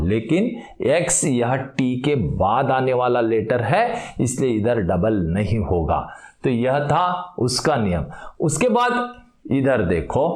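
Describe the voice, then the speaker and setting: Guy teaching grammar, slow and bouncy, kinda echoey room, asks then answers himself. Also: mid-range voice, darkish tone. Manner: stretches example words slowly, asks and answers own questions. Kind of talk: explanatory lesson with questions to viewers.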